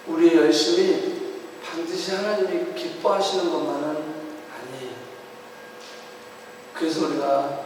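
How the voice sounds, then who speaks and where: A middle-aged woman pastor preaching a sermon, swinging between shouted emphasis and quiet asides. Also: low voice, slight background noise. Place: large church hall. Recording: echoey hall from far off.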